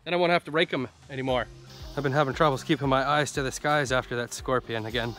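A man's voice: medium pitch, steady tone, fast talker, fairly bright tone, faint music behind. A male travel vlogger talking casually and joking to himself while hiking outdoors in a rainforest, recorded on a handheld camera. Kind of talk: casual solo travel vlog narration.

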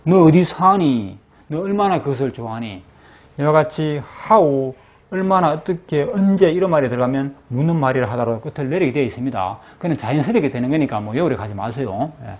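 Lively male teacher on a lo-fi tape. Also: medium pitch. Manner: says English phrases slowly, then explains them in Korean; keeps checking that the class follows. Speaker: English teacher. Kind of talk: classroom lecture with repeat-after-me drills. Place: classroom. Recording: dull lo-fi classroom recording.

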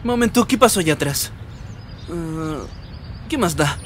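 A man's voice: fairly high pitch, lively intonation, measured pace, a little hiss or hum. A man with a Latin American accent playing a young, sarcastic, exasperated comedy vlogger in an exaggerated, theatrical way. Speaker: fan dubber voicing a vlogger. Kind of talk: comedic vlog fandub.

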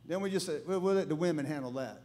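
A middle-aged male pastor, preaching a sermon full of humorous, animated stories and bursts of shouting. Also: on the high side, fast. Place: church.

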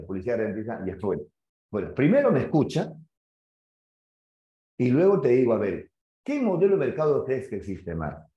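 A man with a Peruvian accent teaching economics in an animated, questioning way, acting out little stories for his students. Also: medium pitch. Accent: Peruvian Spanish. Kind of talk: lively classroom lecture. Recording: echoey room, dull sound.

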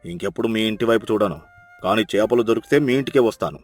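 A man's voice: lowish voice, fast talker, natural voice. A man acts out a village uncle for a cartoon moral tale. He blusters and takes mock offence, proud and greedy about home cooking. Faint music sits underneath. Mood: mock offended. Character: touchy, food-loving village uncle who praises his sister's cooking. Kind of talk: animated moral story dialogue.

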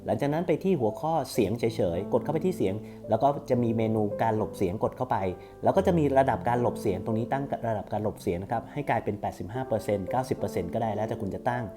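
A man's voice: lowish voice, expressive, fast, few pauses, over music. A man hosting a casual step-by-step tutorial, instructing politely and repeating steps as he goes. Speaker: tutorial host for screen reader users.

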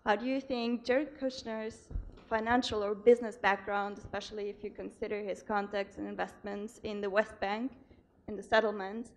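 A woman with a middle-pitched voice asks a question from the floor of a large lecture hall. She speaks in a polite, measured way. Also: flat delivery. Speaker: audience member asking a question.

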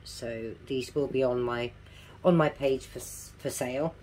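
Low-voiced, slow-talking toothless woman. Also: darkish tone, a little hiss or hum, low-quality recording. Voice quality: toothless, slightly slurred articulation. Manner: instructive, repeating key steps. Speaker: craft tutorial presenter. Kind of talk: casual step-by-step craft demonstration. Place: indoors at a home craft table.

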